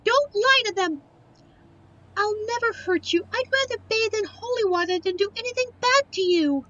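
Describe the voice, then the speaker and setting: A woman's voice: very high voice, expressive, moderate pace, pushed and bright, full character voice. A woman playing a sweet but defiant young succubus daughter in a scripted audio roleplay, earnest and pleading, on a muffled recording. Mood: defensive, alarmed.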